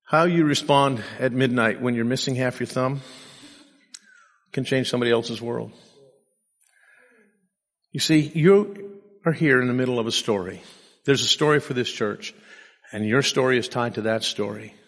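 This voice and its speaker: A man's voice: mid-range voice, moderate pace, long pauses, fairly bright tone. Guy preaching in a church, tired and joking around, long echo off the walls. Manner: self-deprecating humor, storytelling. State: sleep deprived. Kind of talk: sermon with personal stories.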